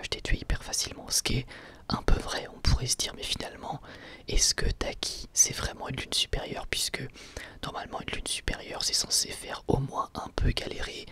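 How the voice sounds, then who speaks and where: A person whispering an informal, halting ASMR commentary on anime episodes in a breathy, unvoiced voice. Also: medium pitch, pushed and bright. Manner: hesitant, halting, informal explaining. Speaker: anime review vlogger.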